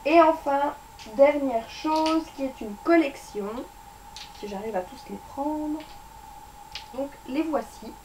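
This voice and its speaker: A woman's voice: high-pitched, slow, distant mic, background noise. Chatty young woman reviewing nail products. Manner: chatty, many fillers and restarts. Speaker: beauty vlogger.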